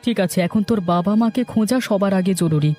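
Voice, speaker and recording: Cartoon rescuer role female actor: protective, kindly villager, brisk, mellow, faint music. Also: medium pitch, natural voice. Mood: caring, reassuring. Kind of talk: Bengali cartoon story dialogue.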